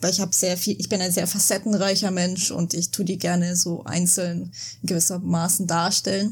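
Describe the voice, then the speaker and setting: A woman speaks with vocal fry in a fairly low pitch at a moderate pace. Her intonation is fairly even and her loudness very even. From Bavaria, Germany (near Freising). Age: 20s. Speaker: podcast interviewee. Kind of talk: personal interview talk. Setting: at home in her work room.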